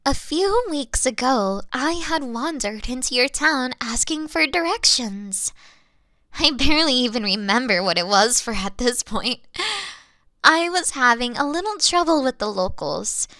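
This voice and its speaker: A woman acts out a lovestruck yandere elf woman in a fantasy audio roleplay. Her voice is high and bright, sweetly condescending and coy, and she takes her time with theatrical, hushed dips. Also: lively intonation, unhurried, no room sound, studio quality, full character voice. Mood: smitten, tender.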